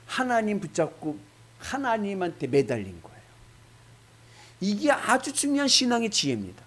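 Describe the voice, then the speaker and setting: Animated Korean pastor preaching. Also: male voice, high voice, normal speed, husky. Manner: lively, acts out quoted dialogue in shifting voices. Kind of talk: sermon.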